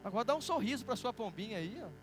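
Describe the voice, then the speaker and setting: A man preaching a sermon in church with a Brazilian accent, animated and teasing as he calls on the congregation to answer back. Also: extremely high pitch, fast, noisy background. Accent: Brazilian Portuguese. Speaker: pastor.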